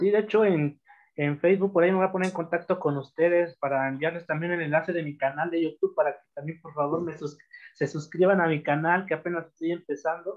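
A man speaks very fast and high in pitch, with fairly even intonation, against a quiet background. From Mexico, Hidalgo. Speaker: online interviewer. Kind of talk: interview. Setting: video call. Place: home room. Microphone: video call.

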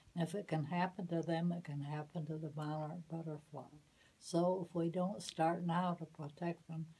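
At a moderate pace, a woman speaks in a somewhat breathy voice with a dark, mellow tone and monotone, flat intonation. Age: 80s+. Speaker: petition supporter. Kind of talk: advocacy statement to camera. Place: home room. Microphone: phone near.

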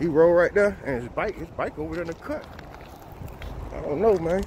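The man's voice is high in pitch. The sound is dry, without echo, with light background noise. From Miami-Dade County, Florida; Florida. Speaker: vlogger. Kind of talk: casual live-stream vlog. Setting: outdoors. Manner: animated. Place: tunnel cave. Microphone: phone near.

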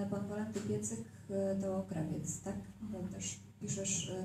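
Noticeable background noise sits behind a woman's voice. Her pitch is medium, with ordinary variation. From small town in Poland. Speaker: event moderator, interviewer. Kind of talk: moderated author interview. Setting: live event with audience, microphone. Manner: halting, many fillers.

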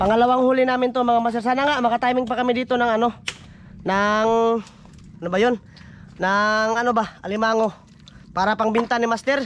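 Speaking at a fairly quick pace, the man has an extremely high voice and leaves long, frequent pauses. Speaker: vlogger, mud crab hunter. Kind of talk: casual vlog narration. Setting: outdoors, mangroves by the sea. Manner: animated, laughing often.

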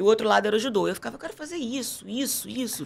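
A woman talking at a very fast pace. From Brazil, Duque de Caxias (Rio de Janeiro); Rio de Janeiro, Brazil. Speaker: public relations and sports event manager; podcast guest. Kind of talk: casual interview chat. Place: studio. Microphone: studio mic.

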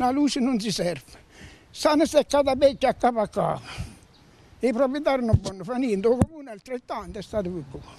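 A man's extremely high voice in a Campanian accent, at a fairly quick pace with long, frequent pauses, ordinary pitch variation and big swings in loudness, recorded dry with no echo and light background noise. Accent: Campanian dialect (Irpinian). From Avellino, Campania, southern Italy. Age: 80s+. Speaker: retired street vendor. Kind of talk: interview answer. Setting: outdoors. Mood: indignant, complaining about litter. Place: street.

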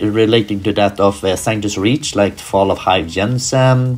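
A man's fairly low voice at a fairly slow pace, with music in the background. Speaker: hobby vlogger. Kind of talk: solo video review. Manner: halting, filler-heavy. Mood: relaxed, smiling.

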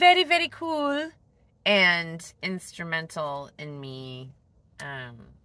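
With a bright, sharp tone, a woman speaks at a very slow pace in a dry sound with no echo. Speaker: van-dwelling vlogger. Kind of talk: casual vlog chat. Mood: relaxed, chatty. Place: car. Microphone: phone near.

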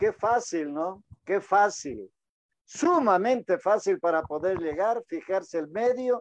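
A man speaks at a very slow pace. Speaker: football analyst. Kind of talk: live sports commentary. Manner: opinionated, conversational.

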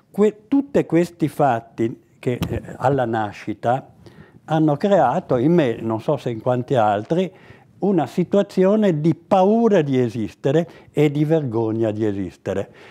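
This man has a fairly high pitch, a dark, mellow tone and very wide pitch swings. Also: fairly slow pace. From Italy. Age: 70s. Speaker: Holocaust-era persecution survivor and witness; interviewee. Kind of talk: interview testimony. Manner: halting. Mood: reflective, earnest memories. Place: home room. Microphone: lapel.

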